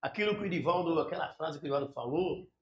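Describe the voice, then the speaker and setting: A man, a pastor telling his conversion story with fervor, in pauses and restarts. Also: fairly high pitch, animated, lo-fi sound. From São Paulo area, Brazil. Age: 60s. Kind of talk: emotional conversion testimony in a casual chat. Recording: echoey room.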